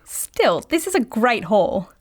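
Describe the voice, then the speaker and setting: An actress playing an eager, teasing British podcast co-host in an audio drama, talking informally with a dry wit. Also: female voice, a little high, big pitch swings, slow pace, breathy edge, heavily acted. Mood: keen, curious. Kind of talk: naturalistic audio drama dialogue, casual banter.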